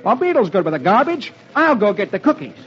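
A man voicing a brash young soldier with quick, breezy patter, on an old radio recording. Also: high voice, very animated, lo-fi sound, music in the background, voice pushed up.

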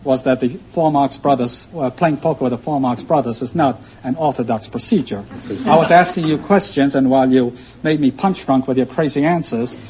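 A man's voice: mid-range voice, fairly quick, darkish tone, slight background noise. A man in his fifties from Austria, a quiz show contestant telling a story in an earnest, dry way, heard on a dull old broadcast recording. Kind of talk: casual chat.

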